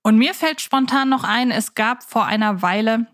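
A woman's voice: a little high, normal speed, a bit bright. A woman co-hosting a podcast, chatting casually as a fan of the subject. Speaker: podcast co-host.

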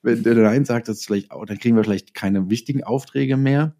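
A man's voice: mid-range voice, fairly quick, dark tone. A man recounting anecdotes in a conversational interview, often acting out bits of dialogue. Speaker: interview guest, writer and audio drama producer.

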